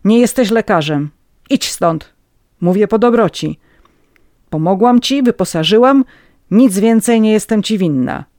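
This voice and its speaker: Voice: mid-range voice, lively intonation, slow, no room sound, studio quality, pitched above the performer's own voice. A reader voicing a stern, haughty older lady of the manor who speaks coldly and dismissively, in an audiobook reading. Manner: cold, dismissive.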